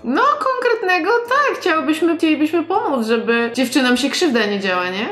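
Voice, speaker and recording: A woman's voice: sits high, animated, normal speed, fairly bright tone. A woman playing a tabletop role-playing game, improvising her lines in casual talk. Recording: roomy, faint music behind.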